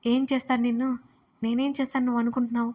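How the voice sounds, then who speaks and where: A domineering young boss man in a storybook audio drama, as a woman reads him, barking orders and teasing in a fairly high, bright voice. He scolds sharply and talks down to the heroine. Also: flat delivery, very fast, lightly acted. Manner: commanding, scolding.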